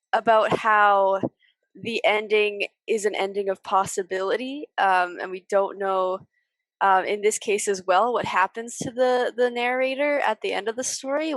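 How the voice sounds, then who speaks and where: A young woman interviews as a podcast co-host, with a medium-pitched voice recorded very dry. She talks casually and a little hesitantly, in loose, informal phrasing. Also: fairly bright tone, dry recording, rough recording. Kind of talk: casual literary discussion.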